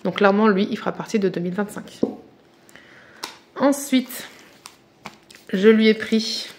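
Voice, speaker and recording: A woman speaking French at a middle pitch for her sex, chatty and eager, often repeating herself and filling pauses with hesitations. She sounds a bit tired but stays lively as she talks to her viewers. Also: slight background noise. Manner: chatty and enthusiastic, with many fillers. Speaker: budgeting vlogger. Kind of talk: casual unboxing chat.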